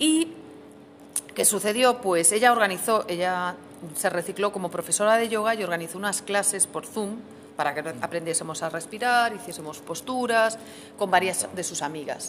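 An ordinary speaking voice, this woman has a medium pitch, lively intonation and a moderate pace. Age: 50s. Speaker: writer and professor. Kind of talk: interview. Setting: book fair.

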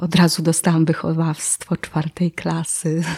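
A woman's fairly low, somewhat breathy voice at a fairly slow pace, dry and close with no echo. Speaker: radio documentary reporter. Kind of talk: interview conversation.

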